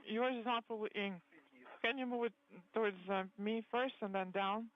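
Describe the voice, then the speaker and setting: High-voiced man over a tinny radio. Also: fairly even intonation. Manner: halting, with frequent fillers and restarts. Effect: tinny space-to-ground radio, like a communicator. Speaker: live interpreter on the spacewalk radio loop. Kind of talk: live interpretation of crew talk. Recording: thin phone-like radio channel with faint hiss.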